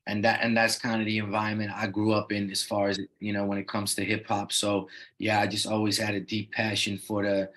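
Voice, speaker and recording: A young Dutch-raised rapper speaks as a guest in a casual interview, keeping it laid-back and loose with plenty of "you know what I mean" fillers. His voice sits on the low side and is monotone, with a brisk pace and a fairly bright tone.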